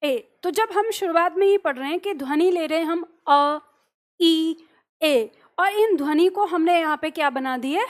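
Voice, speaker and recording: A woman's voice: extremely high pitch, a little slow. A woman teaching a Hindi grammar class, explaining patiently with everyday examples and asking questions that she then answers herself.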